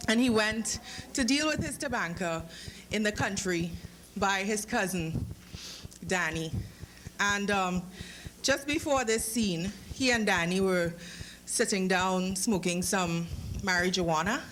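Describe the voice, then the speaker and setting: A woman with a Trinidadian accent speaks as an author at a live literary reading. Her phrasing is careful, with a playful, teasing touch, and her voice sits at a medium pitch. There is some noise behind her in the live recording. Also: takes it slowly, a bit bright, low-quality recording. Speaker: author reading from own short story. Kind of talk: literary reading with informal introduction to a live audience. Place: live lecture event before an audience. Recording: live talk with clear background noise.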